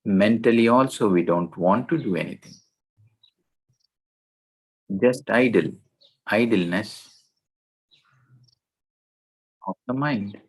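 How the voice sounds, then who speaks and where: Male meditation guide, slow and gentle, with a low voice and deliberate pauses. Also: husky, low-quality recording. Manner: gentle, deliberate, short phrases with long pauses.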